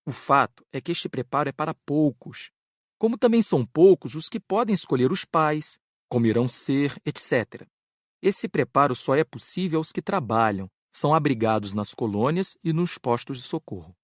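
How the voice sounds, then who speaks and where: A man's voice: a little high, expressive, normal speed, no echo, clean studio sound, natural voice. A man playing a wise, patient spirit mentor in an audiobook, explaining things in a didactic, frank way. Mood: patient, instructive. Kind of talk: dramatized audiobook dialogue.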